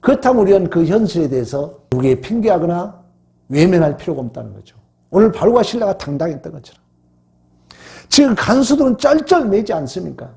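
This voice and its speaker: A male pastor preaching at a midweek Bible study, emphatic, swinging from raised exclamations to hushed, drawn-out solemn phrases. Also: fairly high pitch, sing-song, vocal fry.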